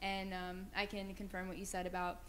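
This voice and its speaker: A woman's voice: medium pitch, completely flat delivery, fairly quick, a bit bright. A woman speaking casually as an audience member and researcher at a conference, in a conversational way peppered with "like". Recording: faint room noise.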